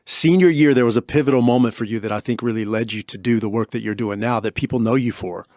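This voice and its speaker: A man's voice: medium pitch, quick pace, a little mellow, no room sound, studio quality. Guy hosting a podcast, easy casual talk, keeps nudging the guest along. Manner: conversational, prompting with short backchannels. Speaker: podcast host. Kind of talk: casual interview.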